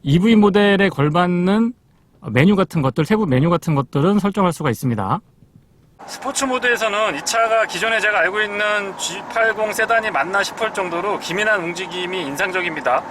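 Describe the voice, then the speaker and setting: A man with a notably high voice reviews a car, politely explaining its features as he test-drives it, in an animated, brisk way. Vehicle and street noise can be heard behind him.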